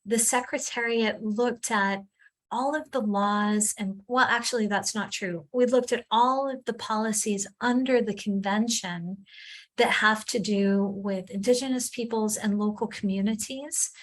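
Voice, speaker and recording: Female facilitator, friendly and informal, unhurried pace. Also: mid-range voice. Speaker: meeting facilitator. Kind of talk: online meeting facilitation.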